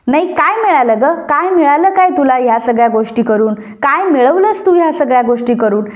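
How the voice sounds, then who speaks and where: A woman's voice: sits high, darkish tone. A woman voicing a stern elder brother who scolds with reproachful questions. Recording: dull lo-fi recording.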